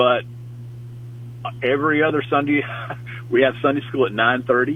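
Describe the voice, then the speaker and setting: A medium-pitched man at a moderate pace, with noticeable background noise. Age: 60s. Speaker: pastor. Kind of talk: casual chat.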